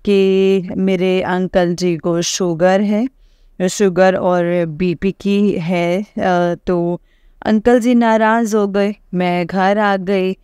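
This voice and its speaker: A middle-aged woman sharing a personal testimony with a congregation, halting and full of pauses and fillers, addressing her listeners respectfully. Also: mid-range voice, steady tone, dark tone, smooth, dry recording, clean studio sound.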